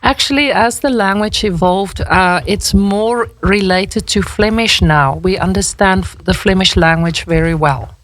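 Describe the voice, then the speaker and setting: A South African woman whose first language is Afrikaans, explaining things in a measured, conversational way as a radio interview guest. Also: mid-range voice, rough recording.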